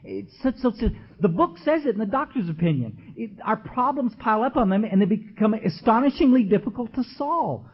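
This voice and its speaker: A man's voice: high-pitched, big pitch swings, fairly quick, hardly any pauses, slightly rough. A man, giving an emotional recovery talk from a podium and speaking straight to the crowd in a folksy way. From Texas. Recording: dull lo-fi archival tape.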